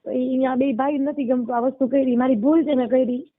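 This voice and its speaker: Over a dull lo-fi phone line, a woman aged twenty-nine with a Saurashtra Gujarati accent gives a pleading account of her situation and asks for help. Her high-pitched voice has fairly even intonation and a fairly quick pace.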